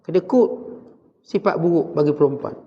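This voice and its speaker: A man's voice: a little high, normal speed, dark tone, long reverb tail, highs cut off. A man with a Malaysian Malay accent giving a conversational religious lecture, with joking asides. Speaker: religious teacher.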